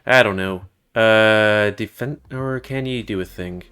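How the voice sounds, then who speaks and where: A man's voice: fairly low pitch, a little slow, sharp tone, clear, resonant tone. A man giving casual, rambling and crude commentary while playing a video game. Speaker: gaming YouTuber. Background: game music.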